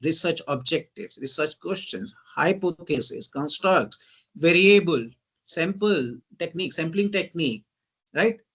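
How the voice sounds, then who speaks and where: A man with an Indian English accent, giving an online teaching lecture. He keeps asking "right?" and often says "ladies and gentlemen.". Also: on the high side, expressive, measured pace, husky. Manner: lists terms in emphatic bursts. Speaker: guest lecturer.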